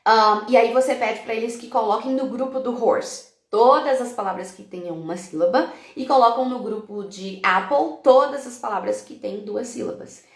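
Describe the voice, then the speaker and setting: A woman's voice: on the high side, moderate pace, hardly any pauses, roomy sound. A woman teacher from Brazil giving a live-stream talk to other teachers, explaining classroom activities step by step and dropping in English example words.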